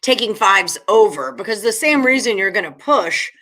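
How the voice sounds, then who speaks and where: A woman's voice: mid-range voice, expressive, normal speed, sharp tone. A woman host with a Texan accent, chatting and joking about bets and drinks, a bit tipsy after a couple of beers. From Texas. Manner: chatty, joking, laughs easily. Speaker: podcast host. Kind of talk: casual late-night betting chat.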